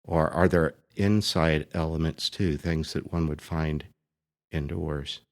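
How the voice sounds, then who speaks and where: A man with a very deep voice leads a guided meditation in the manner of a priest. He speaks very slowly and gently, setting out short phrases with long pauses between them. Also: steady tone.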